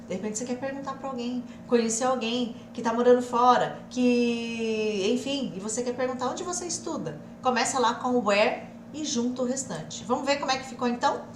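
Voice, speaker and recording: A young Brazilian woman teaches English in a live stream, her voice a little high and full of energy. She slows down to drill phrases and pushes the audience to answer aloud. The room is echoey, with a faint hiss behind her. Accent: Brazilian Portuguese. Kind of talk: live online English lesson.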